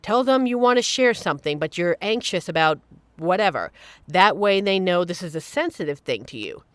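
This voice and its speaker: A woman's voice: on the low side, lively intonation, moderate pace, a bit bright, no room sound. A woman playing a supportive, playful young queer friend in an audio roleplay, talking casually and earnestly to reassure the listener. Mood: upbeat, encouraging.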